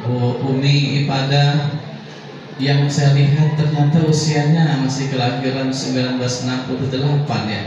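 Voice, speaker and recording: A man's voice: mid-range voice, fairly even intonation, moderate pace. Echoey man addressing a hall. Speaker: school leader giving an opening address. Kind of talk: formal welcome speech to teachers. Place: large reverberant indoor hall with an audience. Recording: very echoey hall, distant muffled mic, audience noise.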